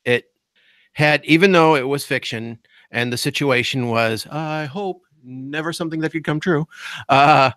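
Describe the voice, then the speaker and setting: A man hosting as a guest, with a gravelly voice, giving a thoughtful, rambling reply full of fillers. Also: fairly high pitch, a little slow, a bit bright, dry recording. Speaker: guest host. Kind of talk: casual podcast chat.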